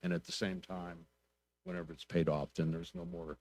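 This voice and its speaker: A man speaking as a council member at a public meeting, asking probing questions in a plainspoken, deliberate way. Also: low voice, big pitch swings, gravelly, slight background noise.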